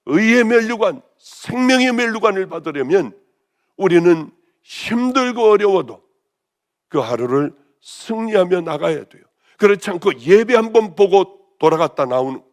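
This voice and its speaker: A woman pastor with a hoarse voice, preaching a sermon with passion, rising to loud exclamations and then dropping to hushed, almost whispered lines. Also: medium pitch. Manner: impassioned, swinging between raised exclamations and hushed near-whispers.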